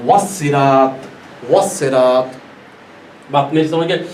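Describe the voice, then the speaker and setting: Man, quran teacher, patient, drawn-out examples, slow-spoken, far from the mic, faint hiss. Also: fairly high pitch, a little mellow. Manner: patient, repeats and drawls examples. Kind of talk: classroom lesson. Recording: echoey room, distant mic, faint noise.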